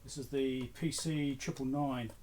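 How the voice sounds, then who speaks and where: A man's voice: mid-range voice, fairly even intonation, unhurried, darkish tone, a little hiss or hum. A middle-aged man talking casually off the cuff, musing to himself like a vlog host as he goes through items. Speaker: host of an electronics repair channel.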